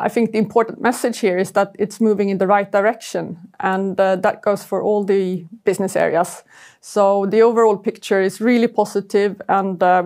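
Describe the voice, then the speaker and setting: A woman's voice: medium pitch, darkish tone. A woman giving a corporate earnings presentation as chief executive, searching for words as she goes.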